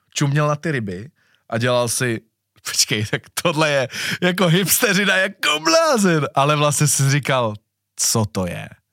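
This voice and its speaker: On a very clean recording with a silent background and a dry, close sound with no echo, a man with a Slovak accent speaks fairly slowly at a fairly high pitch, his bright, sharp tone carrying lively intonation broken by long, frequent pauses. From Slovakia, Košice. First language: Slovak (speaking Czech). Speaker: bartender and bar catering owner. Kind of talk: casual interview.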